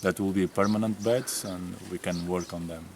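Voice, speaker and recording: Man, low and deliberate delivery, pausing to find words, outdoor garden with faint noise. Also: steady tone, darkish tone. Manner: unhurried, searching for words with many fillers. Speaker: volunteer explaining gardening work. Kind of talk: casual explanation.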